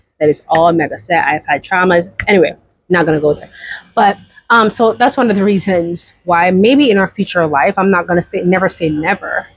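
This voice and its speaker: Speaking with a Jamaican accent, a woman of medium pitch uses an animated tone and ordinary pitch variation at a fairly quick pace. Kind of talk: casual talk to camera. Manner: chatty, animated.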